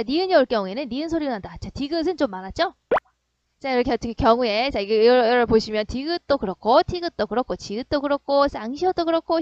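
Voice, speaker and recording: A woman's voice: on the high side, dry recording. A woman teacher giving an online grammar lesson, explaining step by step and often checking that students follow. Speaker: middle school Korean teacher. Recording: dry, dull lo-fi sound.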